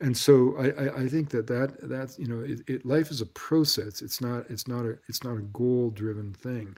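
Here a man has a normal speaking voice, medium pitch, ordinary pitch variation and a moderate pace. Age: 60s. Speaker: anthropologist and author. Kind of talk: interview.

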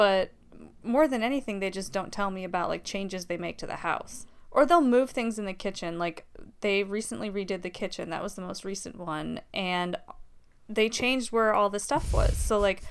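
A very clean recording with a silent background, a woman with a plain, everyday voice at medium pitch, ordinary pitch variation, and a moderate pace. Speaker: improv performer. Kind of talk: casual chat and improv scenes.

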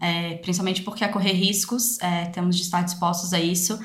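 A woman speaks at a moderate pace with fairly even intonation, and some room echo can be heard. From Brazil, Brasília. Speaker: brand strategist. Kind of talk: casual interview.

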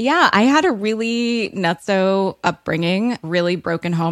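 In a dry, close recording with no echo, a woman speaks with an American accent and ordinary pitch variation. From Orange County, California. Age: 30s. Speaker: author and finance podcast host. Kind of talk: casual interview.

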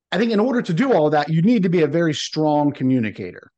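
A man with an ordinary speaking voice talks in a fairly high pitch with lively intonation. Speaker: podcast host and communication training executive. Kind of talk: interview.

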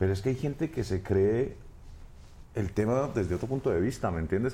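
A man speaks in a dark, mellow tone at a fairly low pitch. His voice is somewhat breathy. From Colombia, Bogotá. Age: 30s. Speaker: actor. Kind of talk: casual chat.

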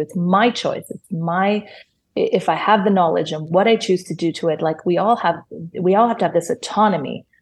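With an Israeli accent, a woman talks at a moderate pace against a quiet background. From Toronto, Canada. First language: Hebrew. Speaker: social media creator and blogger. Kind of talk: casual interview chat.

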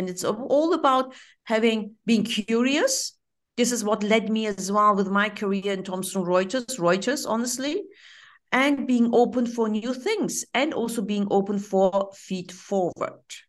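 In a Turkish accent, a woman talks at a moderate pace with a fairly high pitch and lively intonation over a quiet background. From Turkey. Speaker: coach and mentor. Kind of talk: interview conversation.

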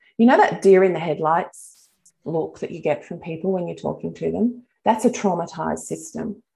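Big swings in loudness run through a woman's moderate-paced speech. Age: 50s. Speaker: menopause and trauma release practitioner. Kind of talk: guided session; interview.

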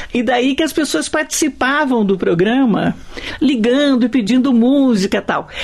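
Noticeable background noise behind a woman's high-pitched voice, very even in loudness, at a moderate pace. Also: ordinary pitch variation. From São Paulo interior, Bragança Paulista. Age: 50s. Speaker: radio and TV presenter. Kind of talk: interview.

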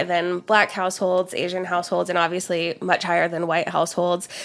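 A woman with an American accent, medium pitch, and a fairly quick pace. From Oklahoma, US. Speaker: fintech founder and CEO. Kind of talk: interview. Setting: remote call.

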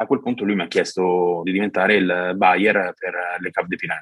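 In a strong Roman accent, a man speaks with monotone, flat intonation. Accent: Roman accent, still strong. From Rome, Italy. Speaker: wine importer and distributor. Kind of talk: interview.

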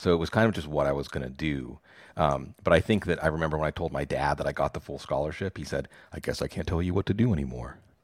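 The voice moves at a very fast pace with vocal fry and ordinary pitch variation. The recording is very clean with a silent background. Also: man, very deep, low pitch for a man. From Pittsburgh, US. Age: 40s. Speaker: fantasy football analyst. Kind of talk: casual podcast interview.

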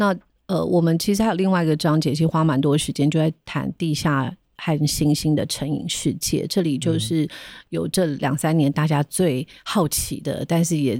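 In a very clean recording with a silent background, a woman with a very deep, low pitch and vocal fry speaks at a moderate pace in a dark, mellow tone with ordinary pitch variation. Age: 40s. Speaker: journalist and editor-in-chief. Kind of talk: interview.

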